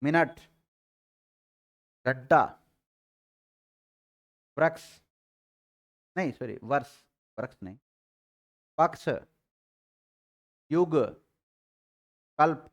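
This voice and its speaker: A Hindi grammar teacher with a Rajasthani Hindi accent runs a live class, calling on students and making them repeat letters one by one. He speaks very slowly and deliberately. His voice sits a little high for a man. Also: lo-fi sound.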